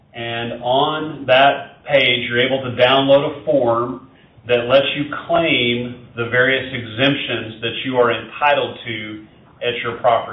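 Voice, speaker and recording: Very slow, monotone speech from a man, flat in intonation, with audible room echo. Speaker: city manager. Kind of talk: public budget presentation and Q&A. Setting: telephone town hall. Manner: halting, many filler words. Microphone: phone line.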